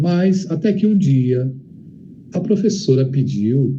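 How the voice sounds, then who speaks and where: Somewhat breathy, a man with a medium pitch and a dark, mellow tone talks with lively intonation amid audible room echo. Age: 60s. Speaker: writer. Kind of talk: interview answering children's questions.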